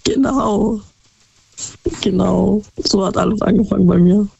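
Hoarse sick woman calling in, super raspy gravelly voice, kinda fumbling for words. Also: medium pitch, steady tone, unhurried, dark tone, highs cut off. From Baden-Württemberg. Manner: hesitant, searching for words. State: hoarse from flu. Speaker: caller. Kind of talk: casual phone-in chat.

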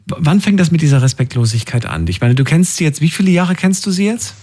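Male radio host, husky, presses callers with pointed questions. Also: a little high, big pitch swings, fast talker, a little mellow. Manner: probing, questions each answer. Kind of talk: call-in radio talk.

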